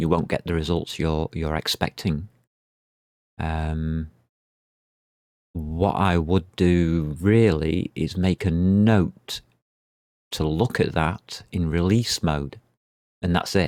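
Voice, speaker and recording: The speaker talks at a very slow pace with long, frequent pauses and fairly even intonation. The recording is very clean, with a silent background and a dry, close sound with no echo. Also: man, very deep, low pitch for a man. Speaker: game programming streamer. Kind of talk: live coding stream. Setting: live stream. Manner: monotone.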